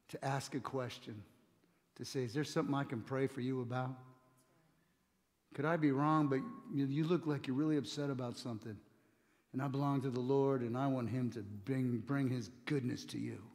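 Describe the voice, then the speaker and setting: A man's voice: medium pitch, steady tone, moderate pace, pauses often, darkish tone. A middle-aged man preaching a sermon in a conversational, earnest way, often restarting his words, on a church stage. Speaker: pastor. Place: church stage with communion table. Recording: long hall reverb.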